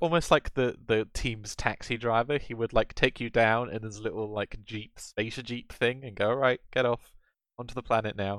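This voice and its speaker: A normal speaking voice from a man, medium in pitch with ordinary pitch variation at a fairly quick pace, in a dry, close sound with no echo on a very clean recording with a silent background. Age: 20s. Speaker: gaming podcast host. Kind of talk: casual chat.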